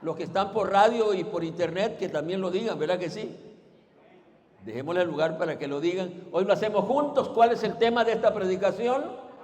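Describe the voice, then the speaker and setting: A man's voice: high voice, normal speed, a little mellow. A male pastor preaching a sermon, asking the congregation to repeat after him and throwing out questions. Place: church sanctuary. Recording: long church reverb.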